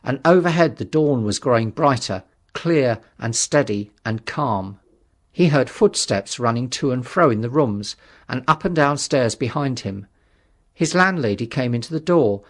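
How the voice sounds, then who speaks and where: Male audiobook narrator, measured and dramatic. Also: mid-range voice, animated. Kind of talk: scripted literary narration.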